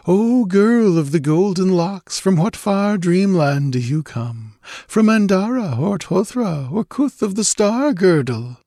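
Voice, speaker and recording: A male narrator plays a dreamy man of a lost city in a fantasy audiobook. His voice sits high and drawls through florid, archaic phrases. He is sensuous and detached, quick to panic, and recorded close and dry. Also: expressive, mellow, no room sound, heavily acted.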